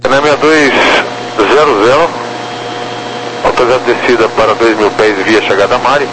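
A man's voice: mid-range voice, fairly even intonation, moderate pace. A Brazilian man working as an air traffic controller, giving clipped instructions over a crackly radio. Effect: crackly aviation radio. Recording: crackly, very noisy aviation radio transmission.

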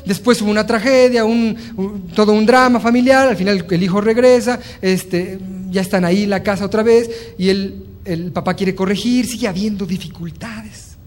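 A man's voice: high-pitched, moderate pace, few pauses. A man giving a motivational talk on leadership, telling stories with lots of fillers and restarts. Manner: animated storytelling, acting out dialogue, frequent fillers. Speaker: motivational speaker.

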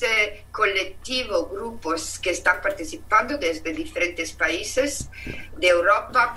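Italian-accented woman, halting, bright voice. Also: lowish voice. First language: not Spanish. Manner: halting, many fillers and restarts. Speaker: activist speaker. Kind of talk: talk at an online meeting. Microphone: video call. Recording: distant mic with faint hiss.

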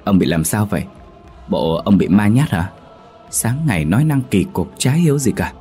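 A man's voice: expressive, moderate pace, warm tone, faint music behind, natural voice. A man voicing a frightened, nagging old village wife who scolds her husband, in a spoken ghost story. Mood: scolding. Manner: scolding, shrill calling out.

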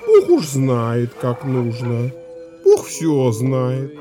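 An actor playing a drunken Cossack who drawls out pious consolations in a radio play. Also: male voice, medium pitch, wildly swooping pitch, extremely slow, music in the background, heavily acted. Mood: maudlin drawling. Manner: drawling, sighing.

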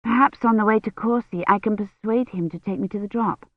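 An anxious young woman murmurs her thoughts low and tense, as an audiobook reader voices her. Her spoken replies stay careful and guarded. The sound is dry and slightly muffled. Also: normal speed, dry recording, close to an everyday voice. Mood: hushed. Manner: hushed, tense inner thoughts. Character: anxious young woman, secretly desperate to slip away.

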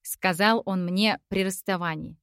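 A woman reads a first-person novel aloud in a reflective, wry tone. Her voice sits at a middle pitch. The recording is dry and close, with no room sound. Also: measured pace, a bit bright, dry recording. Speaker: audiobook narrator. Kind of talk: first-person literary narration.

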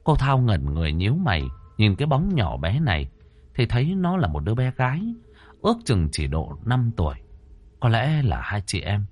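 A man reading a ghost story aloud as a storyteller, in a dramatic, expressive style. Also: on the low side, normal speed. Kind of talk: scripted ghost-story narration.

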